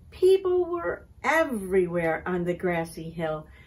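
A somewhat breathy woman's voice with very wide pitch swings and a very slow pace. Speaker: church faith formation teacher. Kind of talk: children's story reading. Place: home room.

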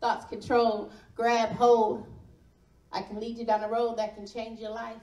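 A woman at a very slow pace, amid audible room echo. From Milwaukee, Wisconsin. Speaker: spoken word artist. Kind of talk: spoken word poetry performance. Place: meeting room.

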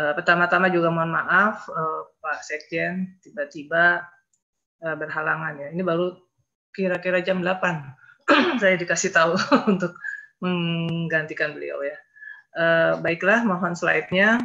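A woman speaks at a fairly low pitch in a bright, sharp tone. The background is quiet. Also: fairly even intonation, fairly slow pace. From Indonesia. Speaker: health ministry official; presenter. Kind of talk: presentation. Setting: video call. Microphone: video call.

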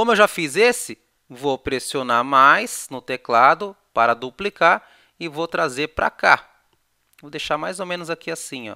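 A man speaks at a fairly slow pace with lively intonation and a bright, sharp tone. His loudness swings widely on a very clean recording with a silent background. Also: fairly high pitch for a man, dry, close sound with no echo. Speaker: software course instructor. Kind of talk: tutorial. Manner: casual, conversational.

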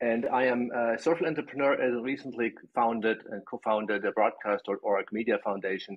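A fairly quick man's voice, fairly even in intonation, against a quiet background. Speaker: panelist. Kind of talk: self-introduction on a panel. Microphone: earbuds.

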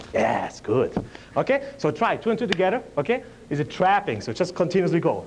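With a high pitch for a man and very wide pitch swings, he speaks at a fairly quick pace over light background noise. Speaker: martial arts instructor. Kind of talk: seminar demonstration. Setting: stage with audience. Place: hall.

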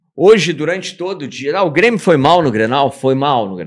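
A man talks at a moderate pace with vocal fry and very wide pitch swings. The background is quiet. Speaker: football commentator. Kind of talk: commentary. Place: studio. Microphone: studio mic.

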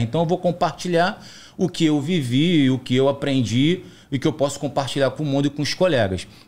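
A man speaks at a fairly quick pace in a fairly high voice. His pitch varies in an ordinary way. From Brazil. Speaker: former French Foreign Legion soldier; podcast guest. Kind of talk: podcast interview. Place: studio. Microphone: studio mic.

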